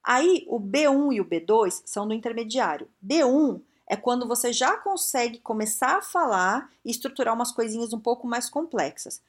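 Blunt, lively Brazilian woman giving advice. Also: on the high side, moderate pace, hardly any pauses. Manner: blunt, frank and emphatic, with many rhetorical questions. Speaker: career and English-learning advice speaker. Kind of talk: casual direct-to-viewer advice talk.

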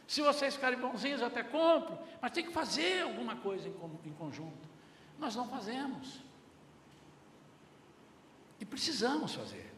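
A man's voice: extremely high pitch, big pitch swings, a little slow, pauses often, pushed and bright. A middle-aged man preaching a sermon as pastor, addressing the congregation and acting out little family dialogues. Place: church hall. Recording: echoey hall with faint room noise.

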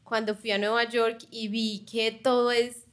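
A woman's voice: a little high, level tone, measured pace, a bit bright. A woman from Colombia speaking with a Colombian accent, co-hosting a podcast in a chatty, conversational way. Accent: Colombian Spanish. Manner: chatty, storytelling introduction. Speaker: podcast co-host. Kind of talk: casual conversational interview.

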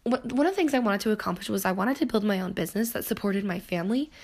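She's a podcast host in her thirties, on her own, recounting her life in a chatty, animated way at a quick clip. The medium-pitched voice is hoarse, slightly mellow, and cracks repeatedly, with plenty of laughter and tangents.

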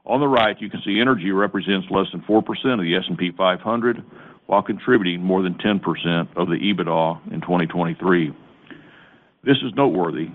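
A man presenting as a company executive on an earnings call, reading a prepared script in a formal, measured way. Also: sits low. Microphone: conference call phone line. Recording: tinny narrow-band phone line.

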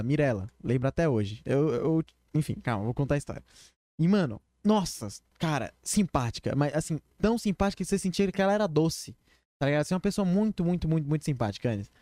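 A young man in his teens, casually telling a story on a live stream, full of slang and quick asides. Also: on the high side, dark tone, no room sound, clean studio sound. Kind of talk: casual chat.

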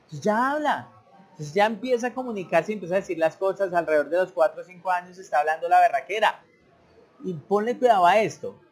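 A man's voice: high voice, lively intonation, fast talker. A man giving a casual, repetitive language lesson, sometimes acting out beginners' broken speech. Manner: conversational, repetitive, acts out learners' broken speech. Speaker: English teacher. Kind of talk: informal teaching monologue.

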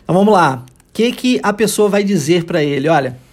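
A man with a Brazilian Portuguese accent teaching an English lesson, explaining patiently and modeling phrases slowly for his students to repeat. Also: sits high, expressive.

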